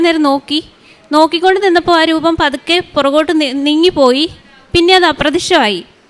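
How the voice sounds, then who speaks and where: Her pitch moves in an ordinary way. Behind the woman's voice, background noise is noticeable. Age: 40s. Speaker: church testimony giver, mother. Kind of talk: testimony.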